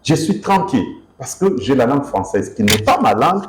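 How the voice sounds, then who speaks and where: A man from Kinshasa, DR Congo, answers interview questions as an author, his mid-range voice brisk and emphatic. He's expressive, repeating himself with lots of fillers and restarts. The recording is reverberant, with a noisy background.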